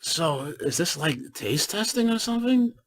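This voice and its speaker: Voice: mid-range voice, very animated, a little slow, a little hiss or hum. A narrator voicing a brash, sporty young pegasus pony mare in a storybook reading, talking eagerly and bluntly. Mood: puzzled.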